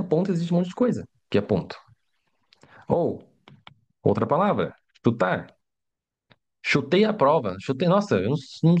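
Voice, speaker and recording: A mid-range, darkish voice belongs to a middle-aged man leading a live online Mandarin lesson. Casual and chatty, he checks in with his students regularly and keeps adding tag questions.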